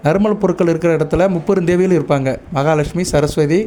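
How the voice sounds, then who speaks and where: A man with a Tamil accent giving devotional advice to viewers, measured and instructive, stopping often to check that listeners follow. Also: on the high side. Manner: chants mantras and praise lists in a steady recitation. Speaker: astrologer.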